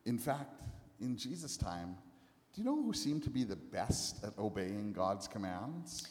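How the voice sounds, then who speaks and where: Guy preaching in a church, voice goes up and down a lot, short bits with pauses, big echoey hall. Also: fairly low pitch, big pitch swings, darkish tone. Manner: speaks in short phrases, pausing for the interpreter. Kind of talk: sermon with live interpretation. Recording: long hall reverb.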